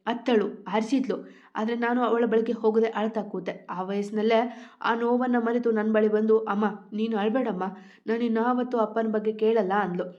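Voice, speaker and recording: A woman voicing a weary older single mother who speaks in a soft, sorrowful way, in a dull lo-fi recording. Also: fairly high pitch, fairly even intonation, normal speed, natural voice.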